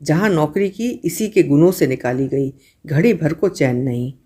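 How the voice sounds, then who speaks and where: A woman's voice: sits low, normal speed, mellow, slightly rough. A woman voicing a bitter, wrinkled old servant who keeps cursing her own daughter.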